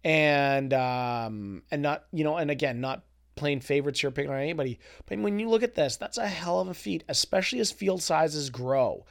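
Gravelly husky man, casual podcast host. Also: on the high side, animated, normal speed, few pauses. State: weak, dry voice after a cold. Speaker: podcast host and poker player. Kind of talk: casual solo podcast commentary.

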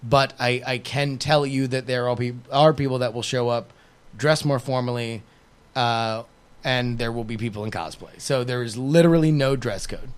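A man co-hosting a podcast, joking around and cursing in a loose, casual chat. His voice sits at an ordinary middle pitch. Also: normal speed, clean tone. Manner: joking, profane, playful. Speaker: podcast co-host.

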